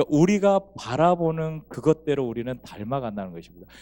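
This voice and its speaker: A man speaks at a fairly quick pace. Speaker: lecturer at worship school. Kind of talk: lecture. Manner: fast.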